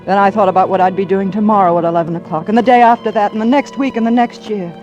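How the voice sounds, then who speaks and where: A woman's voice: mid-range voice, fast, darkish tone, dull audio, close to an everyday voice. A woman playing an anxious young wife in a vintage radio drama, narrating her story breathlessly and pleading. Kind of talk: 1940s radio acting. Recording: old radio broadcast with music.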